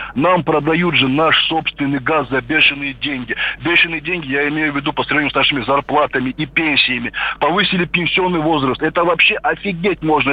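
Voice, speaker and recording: Against noticeable background noise, a man speaks at a fairly quick pace. His pitch is fairly high and his intonation fairly even. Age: 30s. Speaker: caller. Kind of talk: angry rant. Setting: phone call. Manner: fast, nonstop.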